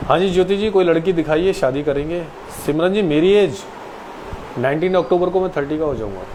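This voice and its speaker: A man's voice: fairly high pitch, fairly quick, background noise. A man in his late twenties, an actor, answering viewers' questions casually and politely on a live stream. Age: 20s.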